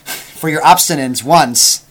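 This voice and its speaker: A man's voice: fairly high pitch, fairly bright tone. A man co-hosting a casual board game chat, joking and teasing his partner. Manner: joking, quick to tease. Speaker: podcast co-host.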